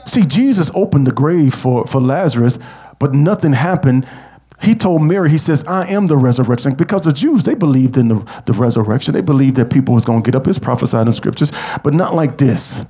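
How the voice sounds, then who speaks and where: A man preaching a sermon, leading the congregation in call-and-response and rising to shouts. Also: medium pitch, expressive, brisk.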